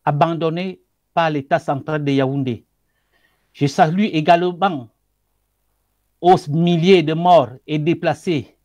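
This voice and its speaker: A middle-aged man, speaking as a guest over a video call with emphatic, halting, repetitive phrasing. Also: on the high side, darkish tone, no room sound. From Cameroon. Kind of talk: passionate political commentary. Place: indoor room with wood wall. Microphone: earphone headset on video call.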